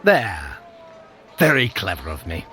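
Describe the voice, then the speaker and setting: A man's voice: low voice, huge pitch swings, measured pace, a bit bright, full character voice. A man playing a smug, vain trickster god in an audio adventure, theatrical and condescending as a grudging mentor. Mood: self-satisfied. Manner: theatrical, self-satisfied, condescending. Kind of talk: scripted audio adventure acting.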